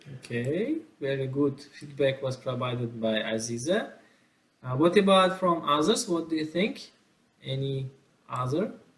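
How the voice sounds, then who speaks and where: A man talks at a fairly slow pace, with long, frequent pauses. His voice is somewhat breathy. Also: fairly high pitch for a man, lively intonation. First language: Uzbek. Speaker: teacher trainer. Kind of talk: online training session. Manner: halting, many fillers.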